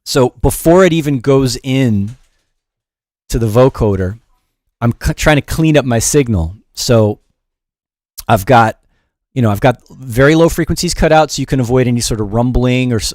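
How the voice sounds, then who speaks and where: Brief: middle-aged male tutorial host, mid-range pitch, informal and rambling, self-deprecating, recorded dry. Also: a little mellow, dry recording. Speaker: music production teacher and show host. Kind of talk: casual livestream tutorial.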